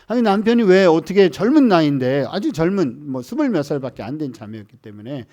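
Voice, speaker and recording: A male missionary preaching a sermon in church. He tells a story, then leads the congregation in reading scripture aloud, swinging between soft, hushed storytelling and raised, emphatic lines. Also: fairly high pitch, very animated, a little fast, lo-fi sound. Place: church service.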